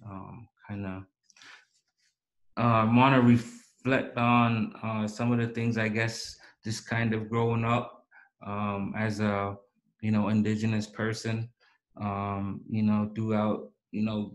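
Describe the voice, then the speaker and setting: A man's voice: fairly low pitch, poor audio. A man in his thirties hosting a live-streamed poetry reading from a small room, talking casually with many fillers and restarts, then reading his own poem. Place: small indoor room with banner backdrop.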